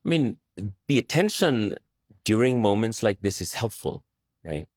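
A man's voice: lowish voice, very animated, unhurried, darkish tone, no room sound, studio quality. A journalist guest in an interview, answering thoughtfully and filling his speech with "you know" and "right". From Nepal.

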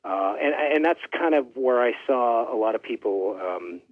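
A middle-aged man from Canada, a record label owner, chatting as an interview guest with a friendly, halting manner full of fillers. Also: medium pitch, expressive. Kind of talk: casual interview chat. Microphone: phone line. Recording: tinny phone-line audio.

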